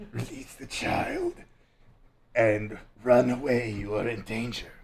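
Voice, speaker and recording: Someone whispers in a put-on character voice at a fairly slow pace. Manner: whispering, dumb.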